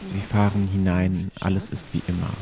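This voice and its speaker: A solemn radio play narrator with a very low voice. He speaks in measured, detached phrases and keeps his pitch very flat. A loud vehicle rumble runs behind him. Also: creaky. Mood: detached, calm. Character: detached, solemn male narrator of a tunnel journey. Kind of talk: slow, scripted literary radio play narration.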